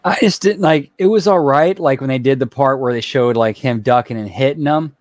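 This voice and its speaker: A man's voice: mid-range voice, darkish tone, dry recording. Chatty man with dry, close sound. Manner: quick opinions, lots of "like". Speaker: podcast co-host. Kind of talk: casual wrestling recap chat.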